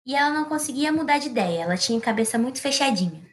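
A woman's voice: sits high, lively intonation, rapid-fire. A woman improvising a children's story, playful and rambling with asides.

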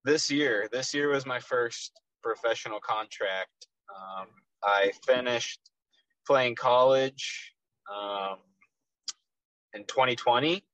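A young man with a light Texas accent talks through his story in an easy, unhurried way, often pausing on "um" and restarting his sentences. His voice sits in a middle range, and the sound is dry and close with no room around it. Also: medium pitch, no room sound, low-quality recording. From Texas, USA. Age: 20s. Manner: relaxed, with frequent ums and restarts. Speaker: guest, professional soccer player. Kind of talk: casual interview answers.

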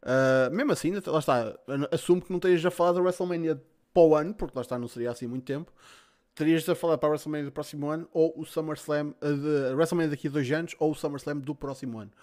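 A man's voice: a little high, fast, darkish tone. A man with a European Portuguese accent, hosting a podcast and reading out listener questions in casual, slangy talk with some swearing. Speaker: podcast host.

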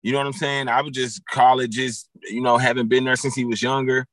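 Rambling man in his thirties, bright voice. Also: medium pitch, little pitch movement, a little fast, no room sound. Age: 30s. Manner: rambling, many fillers and restarts. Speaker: guest, teacher and football coach. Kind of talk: casual podcast conversation.

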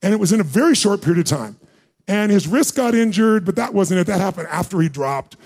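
High-voiced man telling a stage story. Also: animated, fairly quick, gravelly, darkish tone. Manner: punchy, acts out quoted dialogue, asks the crowd questions. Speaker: motivational speaker. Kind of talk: live seminar storytelling to an audience.

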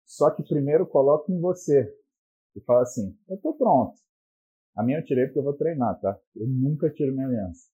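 A man's voice: mid-range voice, lively intonation, quick pace, dark tone, husky, lo-fi sound. A man with a Brazilian Portuguese accent giving blunt, profane relationship advice in a crude comic monologue.

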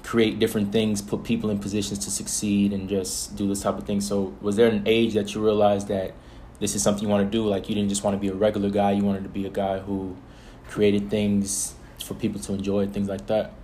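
A man's voice: lowish voice, monotone, fairly quick, warm tone, slight background noise. A young man hosting an interview, talking in laid-back, slangy chat. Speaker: interview host. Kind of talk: casual interview conversation.

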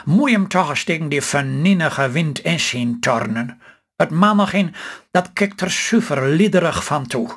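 A woman's voice: low-pitched, a little slow, slightly rough, full character voice. A man reading a storybook voice of a hopeful, chatty rural housewife who chides her husband, in Stellingwerf dialect. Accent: Stellingwerf Low Saxon dialect. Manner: lively, chiding, optimistic.

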